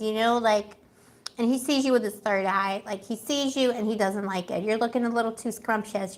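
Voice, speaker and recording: A woman giving a casual livestream tarot reading, chatty and gossipy, laughing often, with a voice she says is going. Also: on the high side. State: losing her voice. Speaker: tarot reader.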